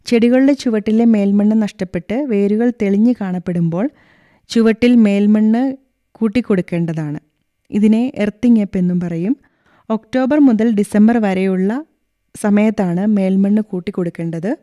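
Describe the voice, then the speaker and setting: A woman agricultural scientist reads out a radio farm talk in a steady, instructive way. Her voice is mellow and soft-edged, and the studio sound is dry and close. She speaks at a middle pitch. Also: no room sound. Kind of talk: scripted radio talk, read aloud.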